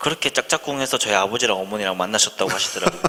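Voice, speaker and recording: A man with a strong Gyeongsang accent, over noticeable background noise. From Gyeongju/Pohang area, Gyeongsang, South Korea. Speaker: company CEO on talk show panel. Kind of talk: panel talk show.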